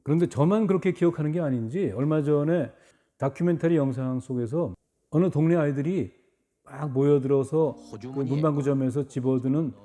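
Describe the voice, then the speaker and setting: Dark-voiced man reviewing collectibles. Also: a little high, normal speed. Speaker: replica gun reviewer. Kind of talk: casual product review narration.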